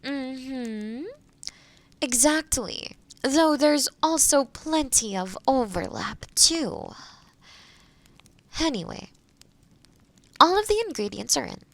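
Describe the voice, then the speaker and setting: A woman playing a kind, scholarly witch in an audio roleplay, explaining things precisely and with gentle reassurance. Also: sits high, expressive, slow pace, vocal fry, long pauses, exaggerated voice. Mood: patient, fond. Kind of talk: scripted audio roleplay, conversational.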